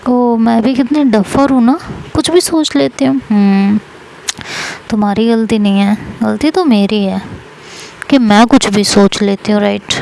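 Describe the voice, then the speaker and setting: A scornful young college woman, sarcastic and bitter, her voice pushed higher and sharper than the narrator's own, as a woman acts her out. There is a gravelly edge to it. A faint hiss sits under the storytelling. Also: a little mellow, rough recording. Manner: sarcastic, raised pitch.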